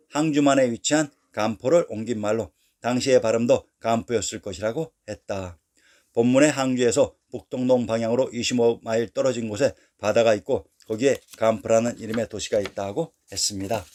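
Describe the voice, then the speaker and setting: Measured man reading history commentary. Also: mid-range voice, darkish tone. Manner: measured, slows to spell out lists of place names. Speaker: narrator of a history series.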